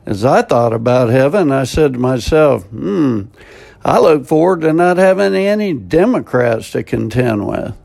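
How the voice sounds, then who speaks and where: A man's voice: medium pitch, animated, measured pace, gravelly, a little mellow. An older American man reading a short scripted devotional in a plainspoken, homespun way with dry self-mocking humor. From United States. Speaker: devotional radio host.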